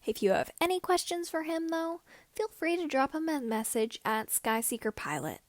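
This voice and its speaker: A woman's voice: sits high, very animated, moderate pace, dry recording, pitched above the performer's own voice. A woman voicing a wry, cheerful young man giving chatty, self-deprecating video updates in a story reading. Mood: chatty, upbeat.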